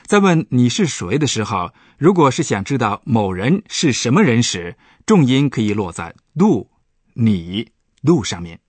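A man's voice: medium pitch, big pitch swings, measured pace, darkish tone, breathy edge, no room sound. A man, a professor, patiently explaining German grammar points on a radio language lesson. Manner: patient, explanatory, stresses example words.

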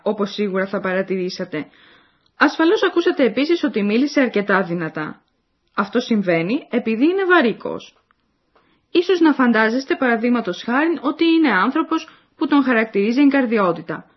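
A woman with a fairly high voice and wide swings in pitch reads the scripted narration for a language course, explaining material and speaking directly to listeners. The recording sounds dull and lo-fi.

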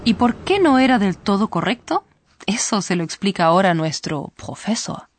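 A woman hosting a scripted language lesson, explaining clearly to listeners. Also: mid-range voice, big pitch swings, moderate pace, music in the background. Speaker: host.

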